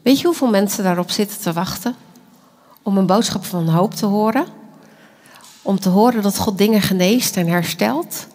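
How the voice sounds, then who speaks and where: A woman giving an earnest, animated sermon, dropping now and then into quiet whispered asides. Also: medium pitch, moderate pace. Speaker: preacher. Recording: echoey hall.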